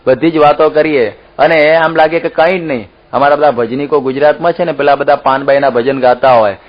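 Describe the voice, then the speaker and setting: A man's voice: on the high side, fairly even intonation, a little fast, highs cut off. A man giving a religious discourse as a preacher, telling stories with acted-out quotes and laughs.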